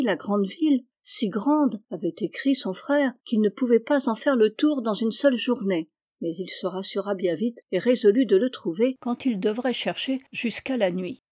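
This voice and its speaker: A woman reading a classic children's novel aloud in calm, measured storytelling. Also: mid-range voice. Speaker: audiobook reader. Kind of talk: scripted narration of a classic novel.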